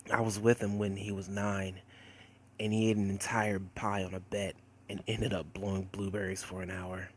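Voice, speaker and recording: Casting: man to play a wry, wisecracking teen boy narrator, on the low side, conversational monologue, slightly noisy home recording. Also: little pitch movement, moderate pace, natural voice. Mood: teasing. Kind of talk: first-person character monologue, voice acting demo.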